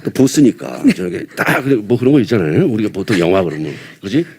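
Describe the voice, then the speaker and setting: A man's voice: lowish voice, very animated, quick pace, darkish tone, breathy edge. An older man from Seoul, a veteran actor, chatting casually at a press event, rambling and self-deprecating with little chuckles between thoughts. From Seoul, South Korea. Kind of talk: casual press-conference chat.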